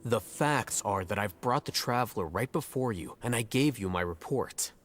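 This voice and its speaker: A man's voice: lowish voice, animated, moderate pace, lightly acted. An actor playing a defiant young male scholar in a video game, speaking in a formal, dry, pointed manner. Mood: cool, defiant. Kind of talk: scripted video game voice acting. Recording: game dialogue over faint music.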